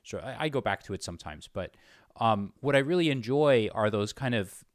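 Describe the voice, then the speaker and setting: A man's voice: lowish voice, animated, a little fast, no echo, clean studio sound. A man chatting casually as interviewer, hesitant and rambling, often correcting himself. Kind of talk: casual conversation.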